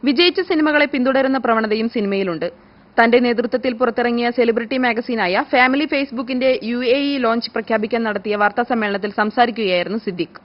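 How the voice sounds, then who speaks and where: A woman reads scripted news as a broadcast news reader. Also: fast talker. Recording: muffled, low-fidelity broadcast audio.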